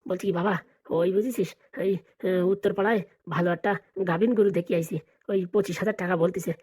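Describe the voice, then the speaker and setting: A woman's voice: medium pitch, steady tone, a little mellow, natural voice. A woman voicing a scheming, money-hungry village father in a comedy cartoon, scolding and bantering. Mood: scheming, pleased. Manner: rapid, colloquial, bantering scolding.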